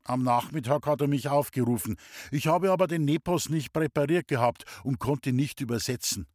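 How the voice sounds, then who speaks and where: A man reading a humorous story aloud in the first person, with a lively, cheeky telling. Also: medium pitch, normal speed, no echo, clean studio sound. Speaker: audiobook reader.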